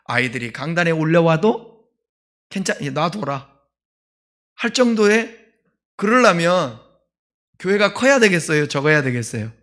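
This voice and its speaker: A male pastor preaching a sermon in a conversational way, asking the congregation questions and swinging between loud emphasis and quiet asides. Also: fairly high pitch, very animated, moderate pace.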